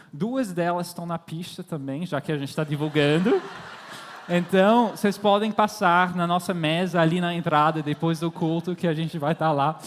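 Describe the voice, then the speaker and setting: A young missionary, high in voice, stands before an audience as a guest preacher, telling stories within his sermon. The echoey hall gives the recording a long reverb. He was born and brought up in France by Irish parents, and Portuguese is not his native language.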